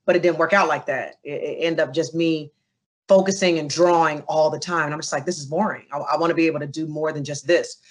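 A young adult woman answering interview questions in a casual, animated way, telling stories with asides to the listener. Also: deep voice, quick pace. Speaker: interview guest.

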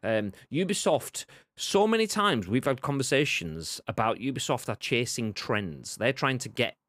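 A man's voice: medium pitch, moderate pace, no room sound, studio quality. A man hosting a video game podcast in casual chat, reading viewer comments and mocking with swearing. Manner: animated, mocking, swears, acts out both sides.

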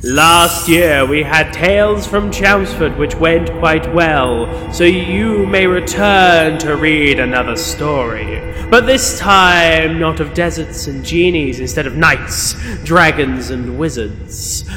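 A man playing a theatrical, hesitant wizard in an audio pantomime, with dramatic pauses. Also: on the high side, sharp tone. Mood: musing, theatrical. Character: Merlin, theatrical male wizard, hesitant and scheming. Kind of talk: pantomime radio acting. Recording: long hall reverb, music underneath.

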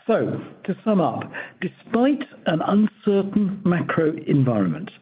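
A man's voice: sits high, big pitch swings, unhurried, a little hiss or hum. A man giving prepared remarks as a company executive on an earnings call, speaking with enthusiasm and emphasis. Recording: tinny phone-line audio.

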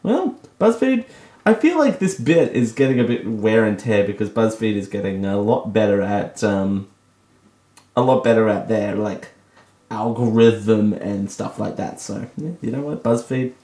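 A man's voice: fairly low pitch, expressive, measured pace, warm tone. An Australian man hosting a radio show, chatting casually on his own, joking at his own expense and laughing often. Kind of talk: casual solo radio talk. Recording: echoey room.

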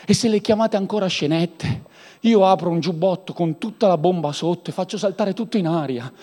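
A man preaching a lively sermon, acting out people in comic voices. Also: a little fast. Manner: animated, mimics people in high comic voices. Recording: long hall reverb.

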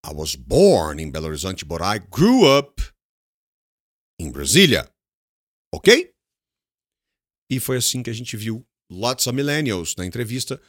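A Brazilian man with a Brazilian Portuguese accent teaching an English lesson. He slips into Portuguese to explain, repeats words slowly, and asks his students questions that he then answers himself. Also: on the low side, big pitch swings, dry recording, clean studio sound.

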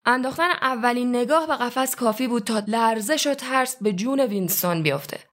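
Woman narrating a novel steadily. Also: a little high.

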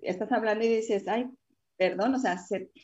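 A woman's voice: mid-range voice, normal speed, darkish tone, lo-fi sound. A woman hosting a casual panel chat, chatty and full of fillers and exclamations. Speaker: host.

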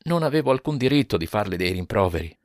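A man's voice: on the low side, very animated, quick pace, no room sound, studio quality, pitched above the performer's own voice. A man voicing an anxious husband who pleads his case and raises his voice in protest. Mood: weary, earnest. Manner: earnest, raising his voice in protest.

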